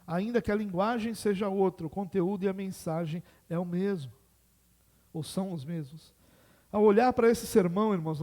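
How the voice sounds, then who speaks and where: A man's voice: high voice, mellow. A man with a Brazilian Portuguese accent preaching an expository sermon as pastor, explaining patiently and posing rhetorical questions.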